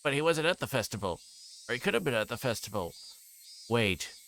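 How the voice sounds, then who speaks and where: A man livestreaming a visual novel, reading its text aloud and breaking into casual, rambling commentary as he thinks out loud. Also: mid-range voice, big pitch swings, brisk, creaky, a little hiss or hum.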